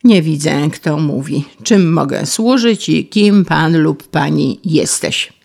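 A woman's voice: low voice, lively intonation, takes it slowly, gravelly, darkish tone, full character voice. A woman voicing a fat, stingy old male mole who lectures smugly. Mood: smug scolding. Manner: smug and lecturing.

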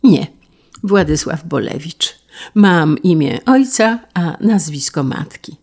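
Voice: mid-range voice, lively intonation, slow, a little mellow. A narrator voicing a shy, stammering orphan boy. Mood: earnest. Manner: hesitant, stammering, earnest. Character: shy orphaned schoolboy in a uniform. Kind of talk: audiobook character reading.

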